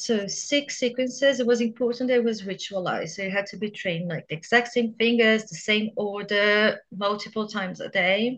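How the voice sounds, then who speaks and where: A woman's fairly high voice at a moderate pace, with ordinary pitch variation, big swings in loudness and hardly any pauses. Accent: Brazilian. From Brazil. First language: Portuguese. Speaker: psychologist and researcher. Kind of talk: interview.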